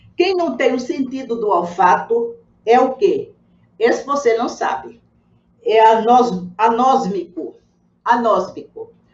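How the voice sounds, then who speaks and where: A woman speaks at a very slow pace, with long, frequent pauses. Her voice is high-pitched and swings very widely in pitch. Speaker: TV host and psychologist. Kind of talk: explanatory TV talk. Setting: TV studio.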